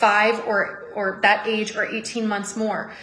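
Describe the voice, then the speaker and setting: Noticeable background noise runs through the clip. The room echo is audible too. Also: woman. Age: 40s. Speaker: Bible teacher and author. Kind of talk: Bible study teaching with personal testimony.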